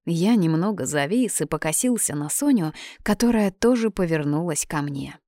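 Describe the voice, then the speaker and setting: A woman narrates a novel in steady first person, reading evenly. Her voice sits a little low. The recording is dry and close, with no room echo. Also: moderate pace. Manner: even storytelling reading. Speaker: audiobook narrator.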